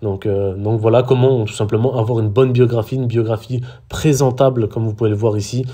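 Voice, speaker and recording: In a warm, medium-pitched voice with fairly even intonation, a man from France speaks fairly quickly. He hesitates through a casual screen-recorded social media tutorial, restarting often and leaning on fillers.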